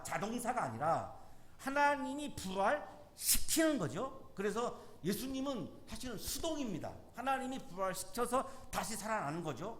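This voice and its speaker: A man's voice: high voice, a bit bright. A man preaching a sermon in a university chapel, explaining scripture and acting out quoted lines with force. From South Korea. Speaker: chaplain preaching.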